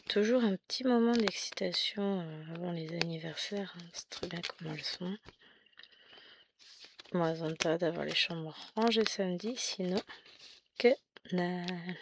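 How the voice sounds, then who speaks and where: A woman's voice: fairly low pitch, background noise. A middle-aged woman from France chatting casually about her stitching, rambling and poking fun at herself. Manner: chatty, rambling, self-mocking with many asides and restarts. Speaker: cross-stitch vlogger. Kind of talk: casual chat.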